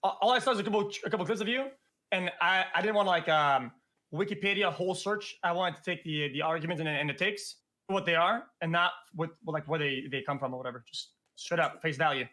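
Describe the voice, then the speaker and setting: A young man streamer argues in quick, excitable bursts that ramble and swear. His voice sits high and bright. He talks at a fast clip. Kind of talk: casual heated debate.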